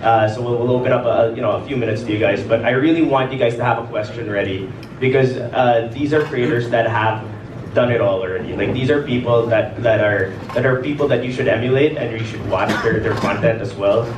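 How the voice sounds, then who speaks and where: A man's voice: medium pitch, brisk, background noise. A man moderating a live creator panel, chatty and often restarting his questions. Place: event hall with audience. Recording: echoey hall from far off.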